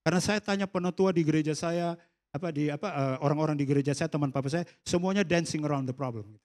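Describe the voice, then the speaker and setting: A man's voice: fairly high pitch, quick pace. A man with an Indonesian accent preaching a sermon, telling a personal story and slipping English phrases into his talk. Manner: storytelling, mixing in English phrases, acting out quoted dialogue softly. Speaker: pastor. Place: church service hall.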